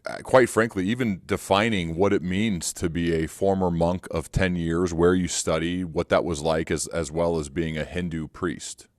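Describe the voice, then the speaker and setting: Male interview host, very low voice, measured questioning style, dry recording. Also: steady tone, no room sound. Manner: thoughtful, reads quotes aloud, asks long questions. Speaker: podcast host. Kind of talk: interview hosting.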